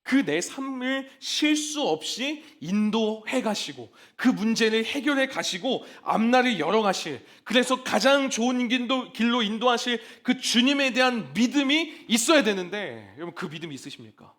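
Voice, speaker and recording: A man's voice: extremely high pitch, expressive, moderate pace, hardly any pauses, fairly bright tone. A man in his thirties preaching at a church prayer meeting, impassioned and throwing rhetorical questions at the congregation. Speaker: pastor. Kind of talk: sermon.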